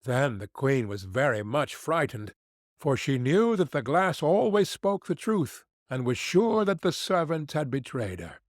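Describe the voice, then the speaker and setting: Man, audiobook narrator, fairy tale, slow, lively intonation, dry close sound. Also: medium pitch, dry recording. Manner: measured storytelling.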